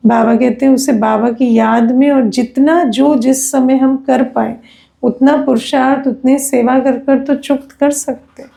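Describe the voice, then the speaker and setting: A woman gives a spiritual discourse at an unhurried pace and keeps checking in with her listeners through tag questions. Her voice sits fairly high yet sounds mellow, with a heavy gravelly fry. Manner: conversational, tag questions, personal anecdotes. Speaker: spiritual teacher.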